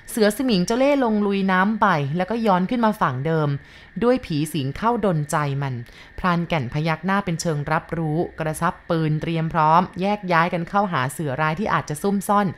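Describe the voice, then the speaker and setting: A woman's voice: fairly low pitch, fairly quick. A woman storyteller narrating a ghost story, polite and addressing her listeners directly.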